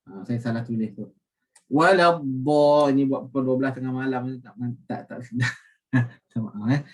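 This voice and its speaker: A Malaysian man teaching Quran recitation rules, explaining with many fillers and reciting the words slowly and carefully. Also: medium pitch, fairly even intonation, warm tone, far from the mic. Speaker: religious teacher.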